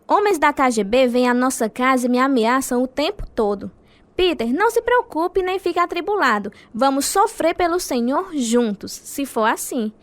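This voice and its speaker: An actress playing a devoted, brave Christian wife in a radio drama, earnest and tender. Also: female voice, high-pitched, lively intonation, moderate pace, no echo. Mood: reassuring, resolute.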